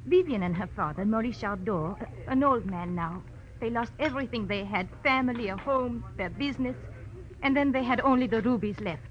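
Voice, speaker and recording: An actress playing a refined, pleading French client in a 1940s radio detective drama, polite and dramatic. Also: female voice, a little high, lively intonation, a little fast, lightly acted. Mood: earnest. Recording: dull old radio recording with faint noise.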